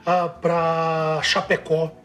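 A man's voice: fairly high pitch, monotone, drawn-out words, fairly bright tone, faint music behind. A man from Northeast Brazil with a Northeastern Brazilian accent, chatting casually and enthusiastically, sometimes trailing off as he searches for words. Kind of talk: casual chat.

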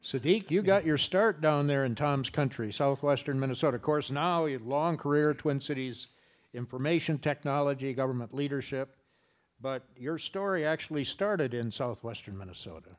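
A man hosting and moderating an interview in a measured, conversational way. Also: medium pitch, animated. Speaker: host.

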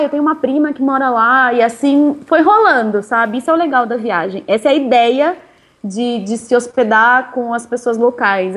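Woman, touring cyclist, interviewee; casual and chatty, laughs easily, slightly high voice. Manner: chatty, laughs often, relaxed slang.

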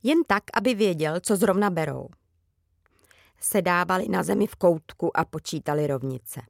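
A woman reading a children's book aloud with calm, even storytelling. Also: fairly low pitch, gravelly, dry recording, clean studio sound. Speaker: reader.

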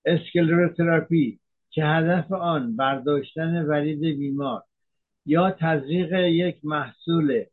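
Man explaining medicine over a tinny line. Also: fairly high pitch. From Iran. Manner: measured, explains terms, frequent hesitations. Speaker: physician giving health talk.

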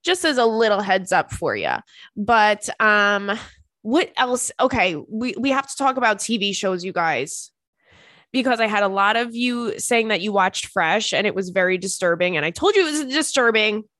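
A woman's voice: medium pitch, animated, normal speed, a bit bright, no echo. Congested young woman chatting, dry sound. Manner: chatty, joking, self-deprecating. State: congested from crying. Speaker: podcast host and stand-up comedian. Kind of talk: casual solo podcast chat.

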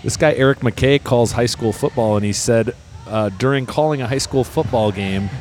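A man's voice: mid-range voice, moderate pace, darkish tone, a little hiss or hum. A man hosting a comedic podcast, calling an amateur basketball game live with dry jokes about the score and clock. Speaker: play-by-play announcer and podcast host. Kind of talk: comedic live sports commentary.

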